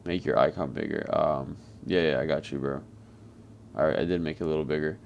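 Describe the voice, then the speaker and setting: A man giving live trading commentary in a flat, monotone way, talking casually and bluntly with plenty of swearing over a video call. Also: very deep voice, brisk, gravelly, dull audio, a little hiss or hum. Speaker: trader and market commentator.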